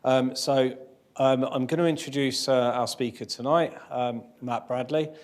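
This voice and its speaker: A man's voice: mid-range voice, steady tone, unhurried. A man organising a tech meetup who introduces the speaker, hesitant and self-deprecating, with many fillers. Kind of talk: event introduction. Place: meetup venue, live audience.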